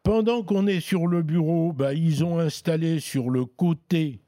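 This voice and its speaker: A man chatting casually on a radio tech show, reviewing gadgets in an unhurried way with many hesitations. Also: on the high side, dark tone, dry recording, studio quality.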